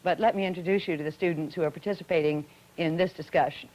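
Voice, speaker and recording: A woman moderating a student forum on an old broadcast, asking poised, brisk questions. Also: low-pitched, fairly even intonation, a little mellow. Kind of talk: scripted archival broadcast moderation. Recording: dull old archival broadcast audio.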